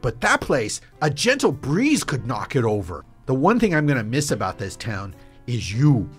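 Man acting an eager, husky-voiced geologist. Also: medium pitch, very animated, normal speed, faint music behind. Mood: concerned, tender. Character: eager, awkward Canadian oil geologist on a dinner date. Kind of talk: improvised radio drama dialogue.

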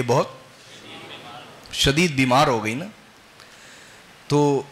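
A man's voice: mid-range voice, a bit bright. A man preaching a sermon, prodding his listeners with rhetorical questions and swelling into emphatic stresses. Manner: quizzes the audience with rhetorical questions.

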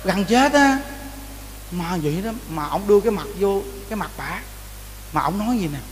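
A man with a Southern Vietnamese accent and a very high-pitched voice delivers a Buddhist sermon as animated storytelling. He repeats words and keeps turning to his listeners. The sound carries a long hall reverb with faint noise behind it. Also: normal speed. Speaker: Buddhist preacher.

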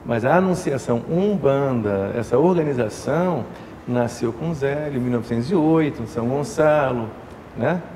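A man's voice: medium pitch, moderate pace, dark tone. A man, an umbanda house leader explaining his faith in an interview, thoughtful and full of fillers and tag questions. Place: indoor temple room with altar. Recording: echoey room with faint hiss.

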